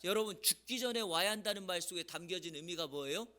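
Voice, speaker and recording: A man's voice: high voice, fast talker, pushed and bright. A male pastor giving an early-morning sermon in a church, often putting questions to the congregation with emphasis.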